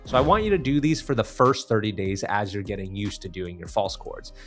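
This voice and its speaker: Soft music underlies a fairly low-pitched man's voice with lively intonation and a slightly fast pace. He's a vocal coach giving step-by-step tutorial instruction, demonstrating exercises while speaking straight to the viewer.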